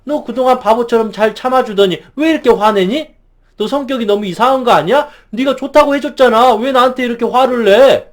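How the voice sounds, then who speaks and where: A man's voice: very high-pitched, a little fast, pitched above the performer's own voice. A man voicing an indignant male friend who turns the blame back in an accusing tone.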